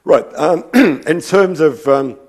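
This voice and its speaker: A man's voice: fairly high pitch, lively intonation, slow pace, a little mellow. A man with a slight cold and a fraying voice, giving a public science lecture in a thoughtful, rambling way, with frequent ums and asides. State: slight cold, losing his voice. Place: lecture hall.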